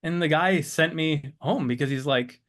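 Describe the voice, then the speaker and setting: A man's voice: a little high, moderate pace, heavy background noise. A man in his thirties from Switzerland and the United States, reflecting on personal experience as an interview guest, often searching for words.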